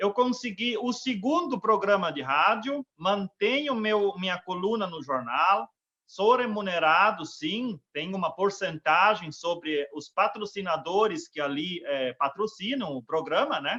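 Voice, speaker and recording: In a German accent, a man with a high pitch and a bright, sharp tone speaks in a raised, projected voice with lively intonation. His pace is fairly slow, with hardly any pauses. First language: German (speaking Portuguese). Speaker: farmer, agro influencer and radio host. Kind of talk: live panel discussion.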